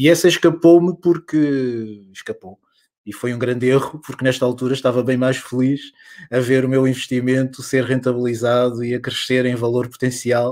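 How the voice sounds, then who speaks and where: A man with a medium-pitched voice. He talks at a moderate pace with fairly even intonation. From Portugal. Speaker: venture capital investor. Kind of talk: panel discussion.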